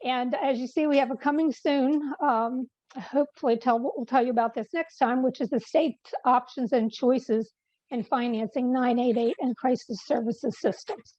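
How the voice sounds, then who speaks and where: High-voiced woman with a fading voice. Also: fairly even intonation, moderate pace, darkish tone, no room sound, lo-fi sound. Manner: briefing with fillers and restarts. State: losing her voice. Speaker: policy presenter. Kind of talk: online meeting update.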